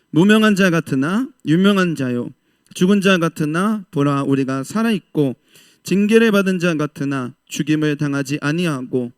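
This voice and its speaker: Fervent high-voiced pastor preaching. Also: male voice, no room sound, studio quality. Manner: passionate, swings from loud exhortation to soft asides; voices the doubters and God's reply in lively quoted speech. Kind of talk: sermon to a young adults' service.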